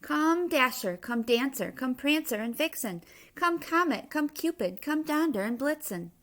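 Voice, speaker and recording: A woman plays an old, round Christmas gift-bringer from a storybook, earnest and a little fretful. The voice is fairly high and unhurried, giving commands in deliberate rhyme. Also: lively intonation, a bit bright. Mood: urgent, calling out. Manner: declaiming in rhyme, instructing.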